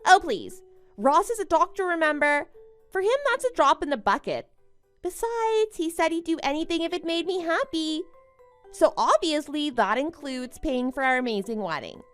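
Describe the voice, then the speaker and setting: A woman's voice: sits high, lively intonation, normal speed, soft background music. A woman playing a smug, boastful young bride in a melodramatic story, taunting and condescending as she exclaims. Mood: bragging. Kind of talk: melodramatic animated-story voice acting.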